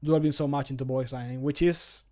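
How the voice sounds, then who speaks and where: A man's voice: mid-range voice, steady tone, fairly quick, dark tone. A man in his thirties chatting casually and playfully on a livestream, rambling as he works, close to the microphone. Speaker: streamer recording mod voice lines. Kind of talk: casual livestream commentary while working. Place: small home room with computer. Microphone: close desk microphone.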